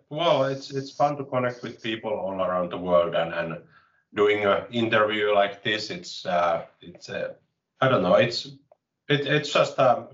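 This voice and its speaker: A man in his late forties from Finland with a Finnish accent, chatting as an interview guest in a halting way, often restarting phrases, with wry self-mockery, heard over a video call. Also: fairly low pitch, fairly bright tone, roomy sound, distant mic, muffled recording. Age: late 40s. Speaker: interview guest, tech consultant. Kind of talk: casual interview chat.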